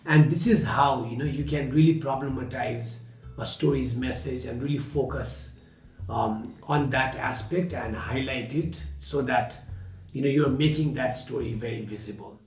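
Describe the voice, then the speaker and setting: A man's voice: medium pitch, steady tone, moderate pace. Man in an echoey room. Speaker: workshop facilitator and educator. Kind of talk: explanatory workshop talk. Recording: echoey room, music underneath.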